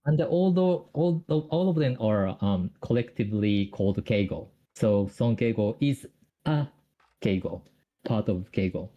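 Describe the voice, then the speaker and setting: A man's voice: lowish voice, animated, unhurried, highs cut off. A Japanese man speaking English with a Japanese accent, explaining grammar on a call, hesitant with many fillers and restarts. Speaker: Japanese tutor.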